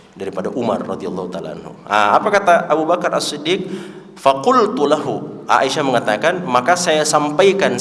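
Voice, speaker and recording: Male mosque preacher with a Makassar Indonesian accent, mid-range voice, recites Arabic and then translates, recorded with a long hall reverb. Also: mid-range voice. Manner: asks the congregation questions and answers them himself. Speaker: Islamic preacher, lecturer. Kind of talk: mosque sermon lecture.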